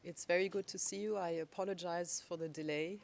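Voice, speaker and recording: A legal representative speaking in a measured, deliberate way while questioning a witness in court. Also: medium pitch, steady tone, vocal fry.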